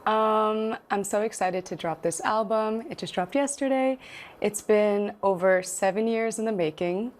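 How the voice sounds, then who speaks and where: A woman's voice: mid-range voice, unhurried. A young woman singer, born in Morocco and raised in Canada, talking earnestly as a guest in a TV studio interview, with plenty of ums and likes. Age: young adult.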